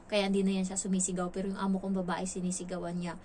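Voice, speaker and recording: A woman's voice: medium pitch, completely flat delivery, rapid-fire, a little mellow, slight background noise. A woman from the Philippines vlogging casually and frankly about her work as a domestic helper abroad. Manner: chatty, frank, acts out quoted lines. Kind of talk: casual storytelling vlog.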